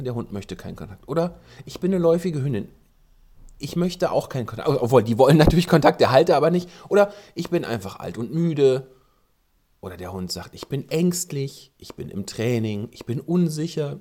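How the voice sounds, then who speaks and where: A man hosting a podcast, giving casual advice to dog owners and working as a dog trainer, talking in an animated way with frequent ums and restarts. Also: on the high side. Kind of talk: casual spoken advice talk.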